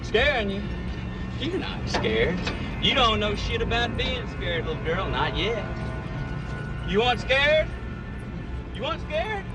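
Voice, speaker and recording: A menacing stranger who taunts from behind the wheel, with a high voice that swings widely through each line. He speaks slowly and sounds far off from the mic, buried under loud music. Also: sing-song, exaggerated voice. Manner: menacing, mocking, drawn-out threats. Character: menacing male stranger driving a car, taunting.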